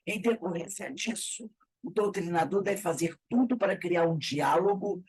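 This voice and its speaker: A woman with a Brazilian Portuguese accent leading a spiritist study class, reading from a book and explaining it in a lively way, often acting out what people say. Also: on the low side, normal speed, breathy edge, rough recording. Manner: lively, acts out quoted remarks. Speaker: study group teacher.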